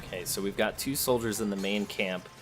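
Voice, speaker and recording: A man's voice: lowish voice, steady tone, brisk, music in the background, low-quality recording. A man giving casual gameplay commentary, thinking aloud and talking to the characters as he plays. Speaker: let's play host. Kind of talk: casual gameplay commentary, sometimes reading game text aloud.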